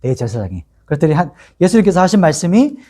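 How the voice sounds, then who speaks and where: A middle-aged man from Korea's Gyeongsang region preaches a sermon and tells the story with lively swings of pitch. His voice is husky and mellow, and he acts out the lines of the people in the story. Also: fast. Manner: animated storytelling, acting out quoted lines. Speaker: pastor.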